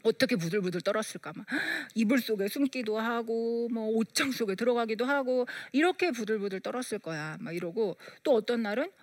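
A woman telling an emotional personal story as a mother, animated and putting on voices as she goes. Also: a little high, fairly quick, hardly any pauses, no echo.

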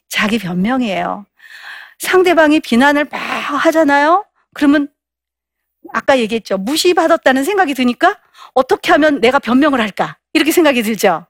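Woman giving a lively relationship lecture. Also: sits high, no echo, studio quality. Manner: acts out quarrel examples in raised voices; asks the audience questions. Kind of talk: lecture on marriage communication.

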